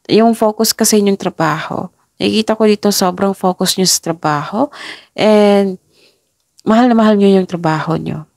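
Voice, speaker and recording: Woman, young, from the Philippines, head cold, casual tarot reading, polite, halting, dry sound. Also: medium pitch, gravelly, darkish tone, no room sound. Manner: polite, halting, stops and restarts often. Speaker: tarot reader.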